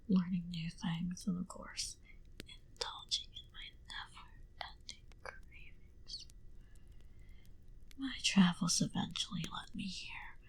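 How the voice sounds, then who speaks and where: A woman whispers as a proud, menacing vampire telling of her past, her breathy, hushed mid-range voice slow, deliberate and coolly condescending toward the listener. The mood is quietly proud. It's captured on a close binaural microphone in a low-quality recording.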